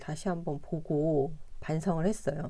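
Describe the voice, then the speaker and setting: Speaking at a fairly slow pace, a woman has a very deep, low pitch and a dark, mellow tone, captured on a very clean recording with a silent background. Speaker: book-reading YouTuber, former fashion designer. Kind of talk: casual talk to camera.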